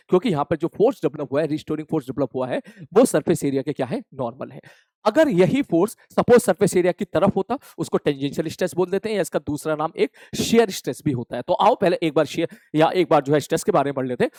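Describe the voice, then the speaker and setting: Male physics teacher, high voice, energetic revision lecture, dry close sound. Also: no echo. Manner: energetic, addresses students as "bhai sahab"; answers his own questions in the students' voice.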